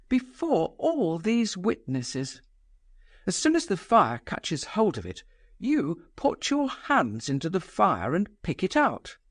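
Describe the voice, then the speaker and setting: A man putting on a haughty young woman who mocks and orders everyone about from a storybook reading. Her pitch swoops wildly as she taunts, and the delivery is slow and deliberate. The sound is dry and close. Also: slightly rough, dry recording, exaggerated voice. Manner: imperious, taunting, shrill bursts. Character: proud, reckless young woman, scornful and commanding.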